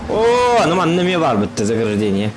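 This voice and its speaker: Casting: male streamer, casual muttered commentary, lightly raised voice, swinging pitch, game noise behind. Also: big pitch swings, normal speed. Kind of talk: casual live gameplay commentary.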